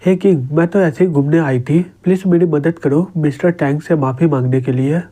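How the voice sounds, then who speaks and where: An anxious, polite young woman from a comic, read out by a man. The voice stays slightly high and mellow, with no change from plain talk. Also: moderate pace, natural voice. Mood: worried. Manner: plain read-out dialogue in the narrator's own voice.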